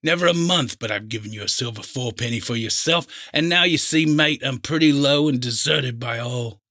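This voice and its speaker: A man voicing a feeble old seafaring pirate in an audiobook, pleading and agitated in rough sailor's dialect. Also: medium pitch, moderate pace, sharp tone, dry recording, clean studio sound, pitched above the performer's own voice. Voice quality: weak voice. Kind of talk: audiobook character acting.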